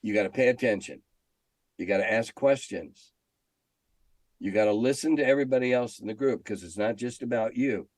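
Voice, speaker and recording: An older man from the United States, interviewed as a veteran game designer and editor, talks fairly quickly in a mid-range, darkish voice. He recounts stories and repeats himself for emphasis when voicing opinions. The recording is dry.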